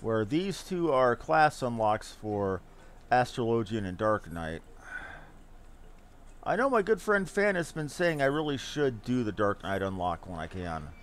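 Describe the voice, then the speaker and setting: A man's voice: medium pitch, sing-song, a little slow. A man giving casual livestream commentary as he plays a game and talks to his viewers. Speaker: game streamer.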